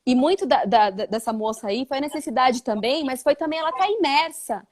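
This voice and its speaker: Brazilian woman teacher, lively chat, acts out quotes, higher pitch. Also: a little fast. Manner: animated, acts out quoted voices. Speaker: English teacher guest. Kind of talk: casual interview chat.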